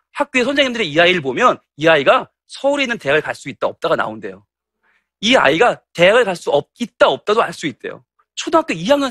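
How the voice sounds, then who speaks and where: High-pitched, animated male pastor. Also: no room sound, studio quality. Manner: animated and humorous, acting out anecdotes. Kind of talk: lively lecture to church teachers.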